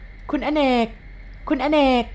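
ภรรยาสาวผู้ห่วงใยและร้อนใจที่ผู้หญิงเล่าเรื่องดัดเสียงให้ เสียงสูงขึ้นกว่าเสียงเล่าปกติ ร้องเรียกและวิงวอนอย่างกระชั้น ในนิทานเสียง. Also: female voice, unhurried, lightly acted. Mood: urgent, pleading. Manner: pleading, raised higher voice. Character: anxious, caring young wife.

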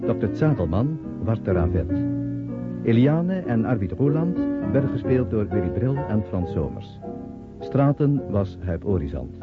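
A man reading scripted closing credits as a radio play announcer. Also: on the low side. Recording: muffled old radio recording, loud guitar music.

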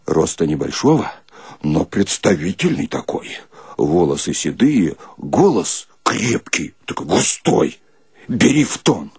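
A man's voice: sits low, unhurried, breathy edge, no room sound, studio quality. A man performing a colloquial comic monologue as a storyteller, with a folksy, theatrical delivery. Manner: folksy, theatrical, animated, breaks into mock singing.

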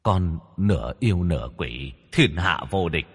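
A man's voice: low voice, expressive, breathy edge, long reverb tail, exaggerated voice. A man doing a wheezing, starved ghost. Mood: boastful. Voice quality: wheezing, whispery. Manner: slow, drawn-out, sneering. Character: starving ghost of a man, groveling then menacing.

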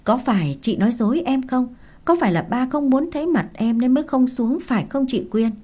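A grieving teenage girl, voiced by a woman in a storybook drama, sobbing and pleading, higher than the narrator. The voice keeps a mellow, soft tone. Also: lively intonation, fairly quick. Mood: hurt suspicion.

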